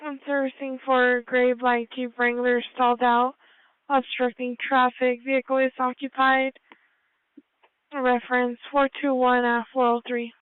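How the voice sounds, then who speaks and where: A woman's voice: high-pitched, flat delivery, a little slow, clear, resonant tone, no echo. A woman police dispatcher heard over a radio transmission, talking in terse, clipped call-sign phrasing. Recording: tinny narrow-band scanner radio.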